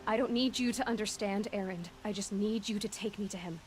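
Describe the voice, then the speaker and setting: A woman's voice: mid-range voice, brisk, darkish tone, faint music behind, close to an everyday voice. A woman voicing a determined, blunt young female tribal warrior in a video game. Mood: firm. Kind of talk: cinematic video game acting.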